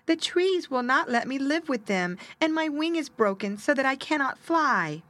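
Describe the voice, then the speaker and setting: A woman's voice: sits high, very animated, moderate pace, fairly bright tone, voice pushed up. A woman voicing a small injured male bird who pleads for shelter in a storybook reading. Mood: pleading.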